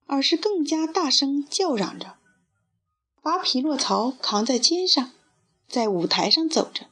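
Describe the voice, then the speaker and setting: A woman reading a storybook aloud to children in a gentle, expressive way. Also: high voice, husky.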